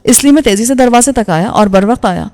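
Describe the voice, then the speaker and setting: A woman storyteller narrating a novel in a steady, even reading voice. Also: fairly high pitch. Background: faint background music.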